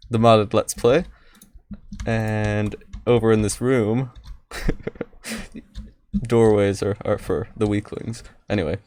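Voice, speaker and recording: A man with a fairly low voice hosts a gaming let's play in a casual, off-the-cuff way. He speaks haltingly and doubles back on words and phrases. Retainers in his mouth get slightly in the way of his articulation. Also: a little mellow. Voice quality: slightly impeded speech from wearing retainers. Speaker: gaming video host.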